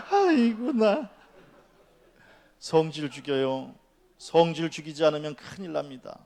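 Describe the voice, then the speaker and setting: A man's voice: a little high, lively intonation, measured pace, creaky, pauses often, darkish tone. A man preaching a sermon to his congregation, scolding and joking by turns and sometimes dropping to a near whisper. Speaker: pastor. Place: church sanctuary.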